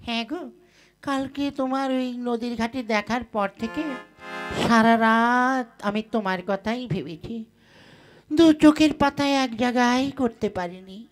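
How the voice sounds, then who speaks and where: A woman's voice: on the high side, normal speed, faint music behind, close to an everyday voice. A woman playing a sly married village woman in a folk puppet comedy, coy and coaxing but bossy. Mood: coy, flirting. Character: sly married village sister-in-law, coyly flirting and scheming.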